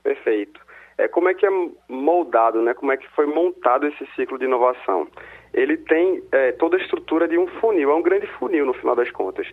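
A man's voice: fairly high pitch, animated, a little fast, slightly rough. A Brazilian man who works as a city secretary, explaining things step by step in an interview, heard over a crackly phone line. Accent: Brazilian Portuguese. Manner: explains step by step, often trailing into tag questions. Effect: crackly, tinny phone line. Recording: tinny phone-line audio.

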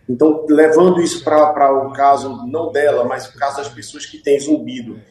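A man, a doctor guest, explaining a symptom in a measured, teaching manner. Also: medium pitch, steady tone, a little mellow, roomy sound, poor audio. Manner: measured, didactic. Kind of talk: medical explanation on radio.

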